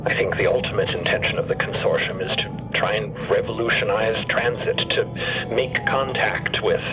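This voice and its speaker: A man playing a thoughtful, courteous professor who talks formally and haltingly in an audio drama. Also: fairly low pitch, lightly acted. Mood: thoughtful, hopeful. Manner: formal, measured, halting between phrases. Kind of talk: narrative fiction podcast acting. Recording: dull sound under music bed.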